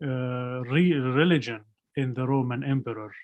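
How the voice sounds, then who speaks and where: In an Arabic accent, a man speaks at a fairly slow pace in a dry, close sound with no echo. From Palestine. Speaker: NGO director. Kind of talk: talk / presentation. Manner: halting, frequent fillers.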